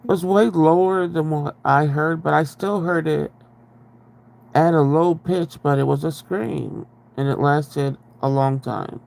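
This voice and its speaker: A livestream host with a cold rambles casually and greets his viewers, sounding nasal and congested. His voice is a little high, creaky and darkish, and he talks a little slowly. He sits very near the microphone, so his breaths come through.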